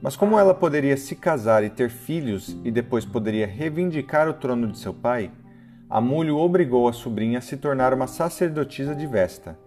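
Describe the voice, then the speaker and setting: A man narrates a legend from a script in a mid-pitched, steady voice. His delivery is even and measured, in the manner of a storyteller. Soft plucked guitar plays faintly behind him. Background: soft guitar music.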